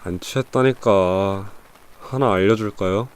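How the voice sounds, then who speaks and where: A man's voice: lowish voice, unhurried, smooth, lightly acted. A man playing a sly, tipsy young student in a radio drama, casual and teasing with something hidden. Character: tipsy, sly young male junior student hiding motives.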